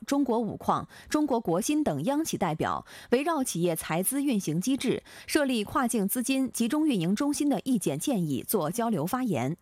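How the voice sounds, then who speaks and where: Woman, formal news narrator, animated pitch, slightly husky tone, very dry sound, precise enunciation. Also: dry recording. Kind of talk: scripted news narration, formal broadcast reading.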